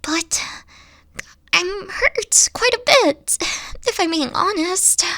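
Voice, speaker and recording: A woman voicing a gentle, insecure young three-tailed kitsune girlfriend in an ASMR roleplay, speaking softly with frequent whispers and sighs. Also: very high-pitched, expressive, extremely slow, no echo, studio quality, full character voice. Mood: hurt, frustrated. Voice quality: soft, whispery, sighing. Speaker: team lead.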